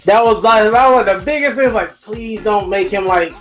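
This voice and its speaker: A man chatting casually as a review co-host, excitable, rambling and slangy. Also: high voice, brisk, soft background music. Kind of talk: casual fan review chat.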